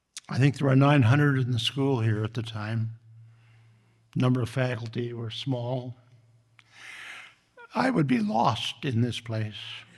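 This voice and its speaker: At a fairly slow pace, a man speaks at medium pitch with fairly even intonation, somewhat breathy, with long, frequent pauses. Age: 80s+. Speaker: retired teacher. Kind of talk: acceptance speech.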